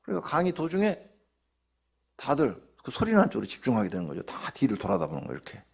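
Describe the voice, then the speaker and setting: Gravelly, animated male preacher. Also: mid-range voice, fast. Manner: animated storytelling preacher, rhetorical questions to the congregation. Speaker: pastor. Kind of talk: dawn service sermon.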